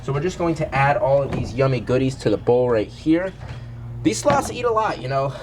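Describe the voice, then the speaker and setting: Still fighting a cold, the zoo owner keeps up his enthusiastic outdoor vlog by the animal food station, birds and monkeys screaming nearby. His mid-range voice sounds animated and brisk as he keeps addressing viewers as "guys."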